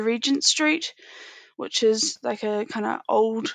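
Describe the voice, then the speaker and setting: The pace is very slow, with a New Zealand accent. The sound is dry and close with no echo. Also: woman. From New Zealand, Christchurch. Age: 20s. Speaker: language tutor. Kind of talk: presentation.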